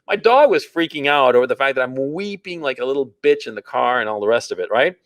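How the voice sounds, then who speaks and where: A man's voice: mid-range voice, quick pace, no room sound. Crude blunt guy ranting dating advice, voice bouncing all over, dry close mic. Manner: blunt, crude and animated storytelling. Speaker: podcast host. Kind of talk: casual dating-advice talk.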